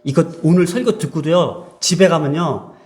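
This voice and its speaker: A man's voice: on the high side, normal speed, darkish tone. A middle-aged man preaching a sermon to his church, chatty and self-deprecating, acting out little quoted exchanges. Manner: conversational, self-deprecating preaching with asides and laughs; acts out short quoted exchanges in varied tones. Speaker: pastor.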